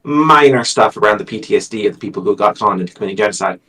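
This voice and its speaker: A man's voice: lowish voice, very fast, fairly bright tone, recorded from a distance. A man speaking as a guest author in a casual livestream chat, with a dry, self-deprecating manner. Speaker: guest, science fiction author.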